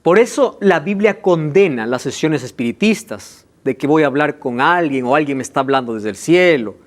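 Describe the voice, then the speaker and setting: A man's voice: a little high, lively intonation, normal speed. A male pastor preaching a sermon and reading Bible passages aloud, stressing key words by drawing them out.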